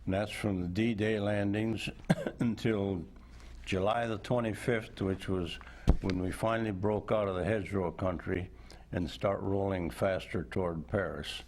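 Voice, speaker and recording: A man in his nineties, a veteran recounting memories as a studio interview guest, unhurried and thoughtful with frequent pauses. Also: deep voice, fairly even intonation, a little mellow, slight background noise. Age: 90s. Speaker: war veteran and author. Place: indoor television studio.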